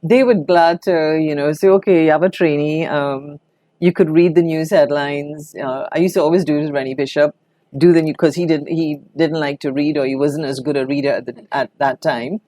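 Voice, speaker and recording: A woman's voice: sits low, fairly even intonation, moderate pace, mellow, no echo. An older woman with a Trinidadian accent reminiscing conversationally in an interview, telling anecdotes expressively as a veteran broadcaster.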